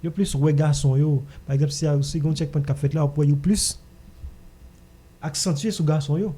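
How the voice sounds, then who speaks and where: A man's voice: a little high, steady tone, a little fast, dark tone, breathy edge. A man with a Haitian accent talking casually as host of a radio discussion.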